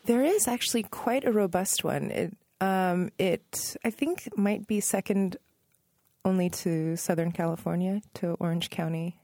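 A woman in her thirties talks through her memories in a studio interview. Her voice sits low, with a gravelly fry and a mellow tone, and the sound is close and dry. She often stops to rephrase and laughs softly now and then. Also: a little slow, no room sound. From Northern Virginia, USA. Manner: thoughtful, self-correcting, laughs softly. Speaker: musician guest. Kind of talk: relaxed interview conversation.

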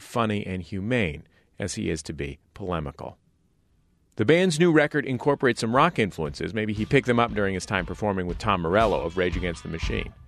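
Lively radio host man. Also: fairly low pitch, no room sound, studio quality. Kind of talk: scripted show introductions.

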